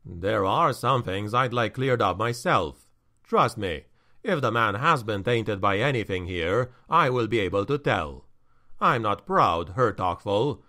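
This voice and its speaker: A man reading a story aloud, voicing a stern male counselor who speaks in a low, steady, measured way. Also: heavily acted.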